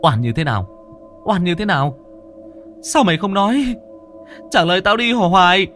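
A man voicing a distraught young village man who shouts frantically. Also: high-pitched, animated, moderate pace, soft background music, pitched above the performer's own voice. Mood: frantic.

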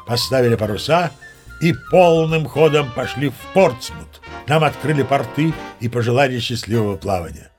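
Audio play lead: male actor as seasoned old mariner telling yarns, mid-range voice, wry dignity, soft music underneath. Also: mid-range voice, lightly acted. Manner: chatty raconteur, mock-dignified. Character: seasoned old male sea captain spinning tall tales. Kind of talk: dramatized storytelling narration.

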